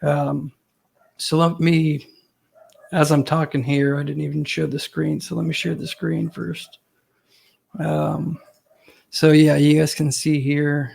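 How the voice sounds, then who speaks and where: A man hosting his own channel, talking casually to viewers with a hoarse voice from a cold, full of ums and uhs. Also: fairly high pitch, little pitch movement, slow, long pauses, darkish tone. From Ohio, US. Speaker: host.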